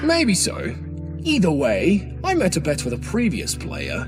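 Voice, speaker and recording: An actor voicing an otherworldly, smugly playful and menacing demon hedgehog in a comic dub, speaking with theatrical mock politeness and drawn-out words. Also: male voice, sits high, wildly swooping pitch, full character voice. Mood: coaxing, impatient. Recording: loud music under the voice. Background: music.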